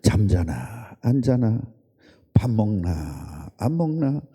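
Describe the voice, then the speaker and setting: Lively, mellow-voiced male pastor. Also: on the high side. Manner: chatty, asks the congregation and children questions. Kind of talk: casual sermon to a small congregation. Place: church service room.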